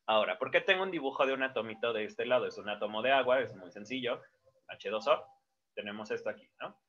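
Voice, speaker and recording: Bright-voiced male teacher. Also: medium pitch, animated, quick pace. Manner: explanatory, with frequent fillers and self-corrections. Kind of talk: casual whiteboard lesson. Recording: dull lo-fi sound.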